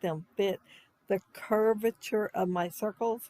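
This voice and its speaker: This woman's voice sits at a medium pitch, with a dry, close sound and no echo. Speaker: scrapbooking video creator. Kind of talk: craft tutorial voiceover. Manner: chatty, rambling.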